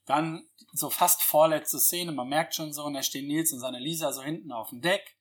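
A man's voice: fairly high pitch, moderate pace. A man chatting casually, retelling a TV episode and acting out the characters' lines. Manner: animated storyteller, acts out quoted lines.

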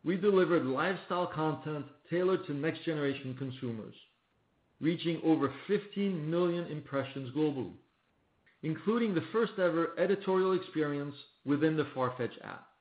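A man, a company executive, reading a scripted corporate presentation on an earnings call in formal, measured phrasing. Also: on the high side. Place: conference call line. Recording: muffled phone-like line, roomy echo.

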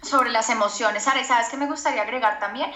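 Psychologist guest, woman, high and bright voice, earnest explainer, roomy echoing recording. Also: fast talker. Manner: earnest teacher tone, often asks for agreement. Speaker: psychologist guest on a parenting podcast. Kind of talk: explanatory podcast interview.

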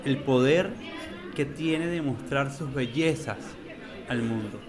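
A man's voice: mid-range voice, crowd noise. A man from Venezuela, an interview guest speaking enthusiastically, stretching words for emphasis. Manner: enthusiastic, animated, drawn-out emphasis. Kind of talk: conversational storytelling.

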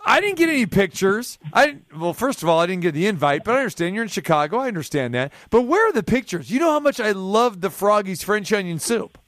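A man's voice: high voice, big pitch swings, quick pace, hardly any pauses, a bit bright, dry recording. A man hosting a sports radio show, chatting casually and teasing his guest, with many restarts.

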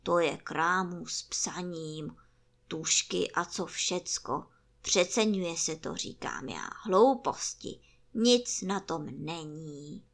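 A woman voicing a gloomy, grumbling old male donkey who speaks slowly and mournfully. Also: on the low side, gravelly, voice pushed down. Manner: mournful, slow and self-pitying.

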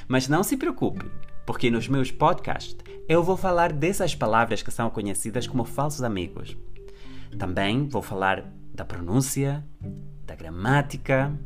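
A native Spanish-speaking man with a Spanish accent in Portuguese, hosting a language-learning podcast and talking straight to listeners in an encouraging way. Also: medium pitch. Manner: encouraging, direct address to the listener. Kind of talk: solo podcast monologue addressed to listeners.

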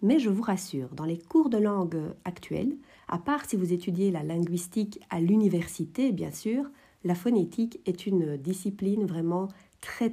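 A woman with a lowish, deeply mellow and slightly husky voice hosts an educational podcast. She explains the sounds of a language in a clear, measured and well-paced way. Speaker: French teacher, podcast host.

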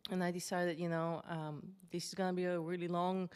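Bulgarian-accented woman guest, low pitch, chatty and full of fillers. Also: fairly quick, smooth. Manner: animated, hesitant with many fillers. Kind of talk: conversational storytelling interview.

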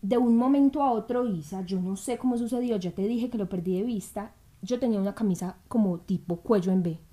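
A woman's voice: mid-range voice, fairly quick, dark tone. A young woman with a Colombian accent telling a story in casual chat, acting out quotes and laughing often. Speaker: storyteller guest.

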